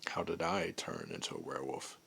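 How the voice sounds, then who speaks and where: A man voicing a friendly, gentle werewolf and former adventurer in an intimate ASMR roleplay, chatting in a hesitant, softly amused way. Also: low-pitched, very animated, brisk, vocal fry, a little hiss or hum, full character voice. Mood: hesitant, reflective.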